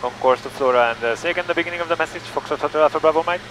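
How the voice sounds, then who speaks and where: A young man flying a small plane, narrating and reading back radio calls in a calm, methodical way over a headset mic in the cockpit. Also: fairly high pitch, very fast. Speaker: private pilot. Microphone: headset boom mic. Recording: engine noise through headset intercom.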